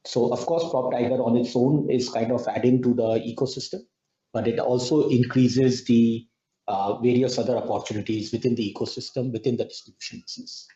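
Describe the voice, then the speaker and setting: A man, a senior company executive, giving business commentary on an earnings call in a halting, reflective way. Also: mid-range voice, steady tone, dark tone. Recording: muffled, echoey conference call audio.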